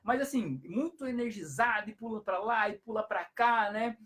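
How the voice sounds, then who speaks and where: A man's voice: high-pitched, moderate pace, fairly bright tone. A man, a hypnotherapist giving parenting advice on a live stream, who explains things repetitively and often adds tag questions.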